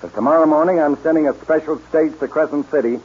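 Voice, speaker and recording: An actor playing a ruthless, proud cattle boss with a husky voice in a 1940s radio drama. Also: male voice, a little high, quick pace. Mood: scheming. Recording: dull old radio recording.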